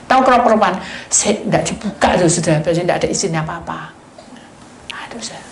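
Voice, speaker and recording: A woman pastor preaching and telling stories, animated, dropping into whispered asides while addressing the congregation. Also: on the low side, brisk, gravelly. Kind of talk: sermon with storytelling. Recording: roomy hall echo, faint noise.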